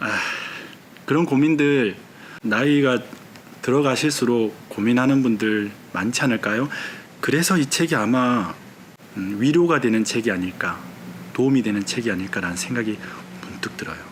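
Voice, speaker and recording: Against noticeable background noise, a man with a Gyeongsang accent speaks at medium pitch with ordinary pitch variation and long, frequent pauses. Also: moderate pace. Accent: Gyeongsang accent, trouble with some sounds. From Gyeongsang region, South Korea. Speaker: book reviewer. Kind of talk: book review vlog.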